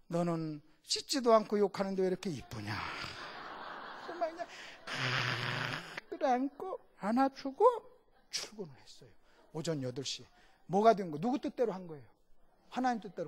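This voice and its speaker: A middle-aged male guest pastor delivers a sermon with a voice that rises and falls dramatically. He moves between fervent shouting and quiet, confiding asides. He acts out little voices and keeps asking the congregation questions. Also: high-pitched. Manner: animated, swings between shouting and hushed asides.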